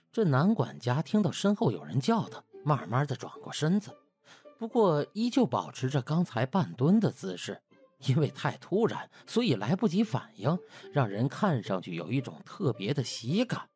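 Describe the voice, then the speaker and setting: A man narrating a comic novel in an expressive, colloquial storytelling style. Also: mid-range voice. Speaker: audiobook narrator.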